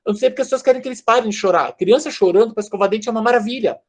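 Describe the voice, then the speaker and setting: A man's voice: high-pitched, racing. A man with a Brazilian accent giving an informal lecture over a video call, speaking conversationally and addressing his audience directly.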